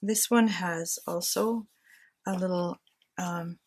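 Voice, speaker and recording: A woman's voice: fairly low pitch, steady tone, slow pace, darkish tone. A woman chatting casually to herself and her viewers while she decorates a handmade journal at home. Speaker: crafting vlogger. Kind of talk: casual crafting chat.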